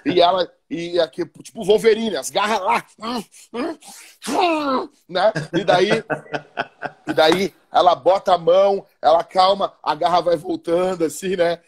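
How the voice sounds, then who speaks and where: A man's voice: sits high, steady tone, a little slow. A male pastor, talking casually and animatedly, often repeating and restarting his words. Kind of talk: casual podcast talk about marriage.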